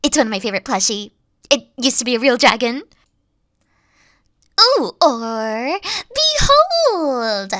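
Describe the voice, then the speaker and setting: A dorky evil queen, acted by a woman, with a high, very animated voice. She boasts theatrically and petulantly, then slips into awkward, needy softness. It is a comedic roleplay monologue, taken at an unhurried pace. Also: no echo, clean studio sound, heavily acted. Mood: bashful, then grandly boastful. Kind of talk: scripted roleplay audio monologue, comedic and intimate.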